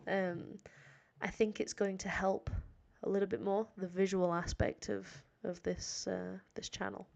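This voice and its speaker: A woman from the north of England with a nasal voice and a northern English accent, sounding tired and a little hoarse, chatting casually and rambling with lots of fillers on a live stream for her English learners. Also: medium pitch, level tone, measured pace, a little mellow. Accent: northern English, Sheffield. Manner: rambling, self-deprecating, frequent fillers. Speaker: English teacher.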